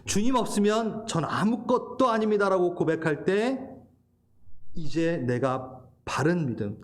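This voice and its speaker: A man's voice: sits high, expressive, measured pace. A middle-aged male pastor giving a sermon, laughing and emotional while telling a personal story, then preaching earnestly.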